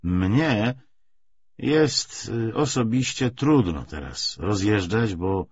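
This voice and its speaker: A man voicing a guarded, worldly-wise young army recruiter confiding halting instructions in an audiobook. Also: lowish voice, breathy edge, dull audio, pitched above the performer's own voice, exaggerated voice. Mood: matter-of-fact. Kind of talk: acted audiobook dialogue.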